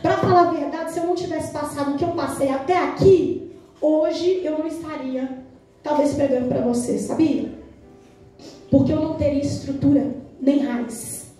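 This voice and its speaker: A Brazilian woman preacher delivering a sermon, telling stories with lively acted-out dialogue. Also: high-pitched, normal speed, soft background music. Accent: Brazilian Portuguese. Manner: animated storytelling, acting out quoted dialogue. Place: church hall. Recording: very echoey church hall, mic at a distance.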